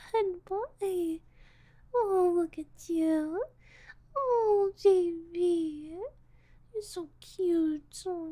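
A woman in a whispered audio roleplay, voicing a possessive, controlling woman who calls herself Mommy and talks slowly, coaxing and condescending. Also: high-pitched. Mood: cooing. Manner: soft breathy whispering, slow and coaxing; condescending, teasing.

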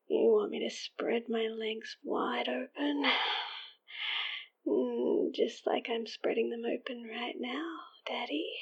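Slow, husky whispering woman. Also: a little high, highs cut off. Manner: whispery, breathy, with sighs and soft laughs. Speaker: audio roleplay performer. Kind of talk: intimate whispered roleplay.

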